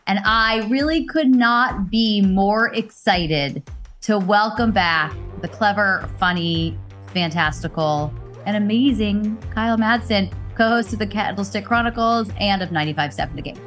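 A woman's voice: medium pitch, unhurried, a bit bright, faint music behind. A woman hosting a sports podcast, chatting casually and playfully with a guest, laughing and teasing often. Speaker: podcast host. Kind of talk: casual chat.

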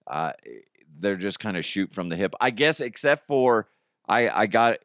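A man's voice: on the low side, lively intonation, measured pace, a bit bright, dry recording, clean studio sound. A man hosting a podcast in casual, rambling talk, his voice a little strained. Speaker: podcast and radio host.

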